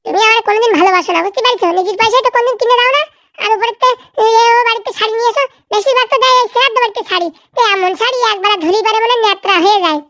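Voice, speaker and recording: Shrill, high-pitched nagging cartoon housewife. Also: bright, forceful tone, no echo, clean studio sound, full character voice. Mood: scolding, sarcastic. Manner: scolding, sarcastic, rapid-fire complaining. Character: nagging, sharp-tongued village housewife, bossy and scornful. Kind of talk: comedy cartoon dialogue.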